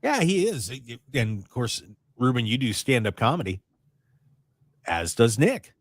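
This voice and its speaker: A man hosting a radio show in casual, rambling chat, his voice a little raspy and strained. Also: mid-range voice, a little slow, no echo. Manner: chatty, excitable, rambling. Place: radio studio.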